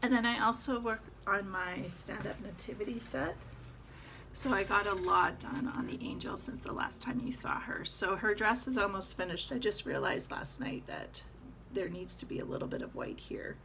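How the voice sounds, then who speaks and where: A woman's voice: medium pitch, normal speed, gravelly, a bit bright, a little hiss or hum. A woman chatting casually about her cross-stitch projects, rambling with fillers as she shows her work. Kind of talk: casual show-and-tell chat.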